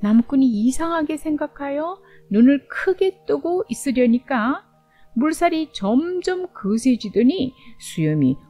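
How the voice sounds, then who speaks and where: A woman's voice: high-pitched, mellow, no room sound. A woman storyteller narrating a bedtime storybook, reading expressively and simply as if to a toddler.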